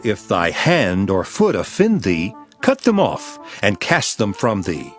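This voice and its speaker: A man playing Jesus as a solemn, authoritative teacher in a dramatized Bible reading, speaking in an emphatic, measured way. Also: fairly low pitch. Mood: stern, emphatic.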